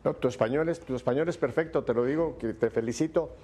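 A man hosting an interview, talkative and quick to laugh and give his own opinions. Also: mid-range voice, warm tone. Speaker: interview host. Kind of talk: interview conversation.

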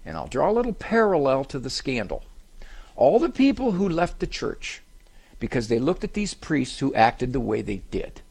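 A man's voice: medium pitch, moderate pace, vocal fry, breathy edge. An older man hosting a live talk show on a cruise, telling funny self-deprecating stories. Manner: animated, self-deprecating joking. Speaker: radio talk show host and psychologist. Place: live event on a cruise ship.

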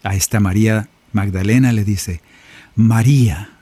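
A man's voice: lowish voice, animated, moderate pace, warm tone, breathy edge, no echo. A man hosting a Catholic prayer and reflection show, preaching in a colloquial way and repeating his phrases. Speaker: Catholic singer-songwriter host. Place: home recording studio.

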